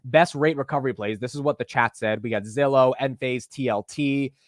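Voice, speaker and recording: Young guy w a deep voice yapping fast about stocks, lots of "dude", dry close mic. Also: no room sound. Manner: animated, says "dude" and "like" a lot. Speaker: host of a live market stream. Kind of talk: casual livestream chat.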